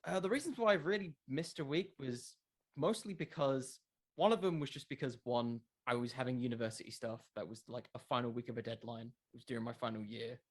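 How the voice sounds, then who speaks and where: A man in his twenties, himself a podcast creator, chats as a guest on an interview in a mid-range voice that moves a little fast. He comes across as informal and thoughtful, regularly hesitating and restarting his sentences with fillers.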